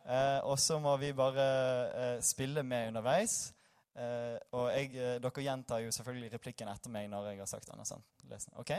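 A young man gives an easygoing sermon in a church hall. He sounds tired after a short night, and he jokes at his own expense and chats with the congregation. His voice sits at an ordinary middle pitch. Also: fairly even intonation, few pauses, a little mellow, smooth. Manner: self-deprecating, joking, chatty with the congregation. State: tired after little sleep. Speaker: preacher. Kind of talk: informal sermon with scripture reading.

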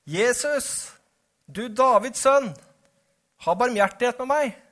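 A man voicing a blind beggar who cries out loudly, pleading for mercy. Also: very high voice, pitched above the performer's own voice.

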